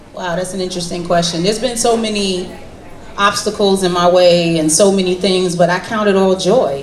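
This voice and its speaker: A woman with an American accent and a fairly low pitch, at a fairly quick pace with fairly even intonation, amid noticeable background noise and audible room echo. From New York, Queens. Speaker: radio host and voice actor. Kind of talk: interview.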